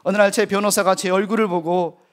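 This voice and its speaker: Middle-aged male missionary preacher, high-pitched, earnest storyteller in a sermon testimony. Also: little pitch movement, a little fast.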